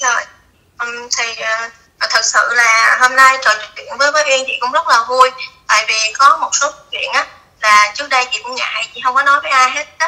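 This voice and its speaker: A woman's raised, projected voice, high in pitch, with fairly even intonation and long, frequent pauses against a quiet background. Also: moderate pace. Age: 40s. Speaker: dating show participant; interviewee. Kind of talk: interview. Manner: halting, many fillers. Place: home room.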